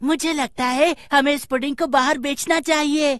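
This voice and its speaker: A put-on character voice, high in pitch, delivers its lines at a moderate pace. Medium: fan dub.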